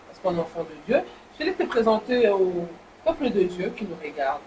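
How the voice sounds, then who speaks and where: Congolese woman, show host, lively and exclamatory, slightly distant mic. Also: mid-range voice, brisk. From Congo (DRC). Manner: lively, exclamatory, warm welcome. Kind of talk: interview hosting. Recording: somewhat distant mic with faint noise.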